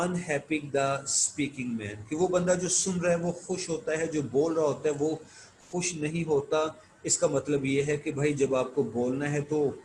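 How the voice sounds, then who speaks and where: A man's voice: on the high side, a little mellow, slight background noise, poor audio. Man reading out a lecture. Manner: reads English lines slowly, then explains in Urdu. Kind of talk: recorded university lecture.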